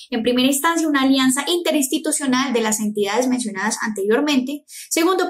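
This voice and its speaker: Brief: young Colombian woman with a high voice, reading a formal conference talk to a webcam. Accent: Colombian Spanish. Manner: measured, formal, enumerating steps. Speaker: teacher presenting a conference paper. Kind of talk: read academic presentation. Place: indoor room, talking to camera.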